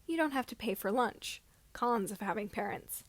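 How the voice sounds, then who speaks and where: A woman's voice: medium pitch, expressive, moderate pace, dry recording. A woman voicing an earnest, cheeky young male pilot in a fan fiction reading. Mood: wry, cheeky. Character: earnest, bewildered farm boy turned cheeky young pilot.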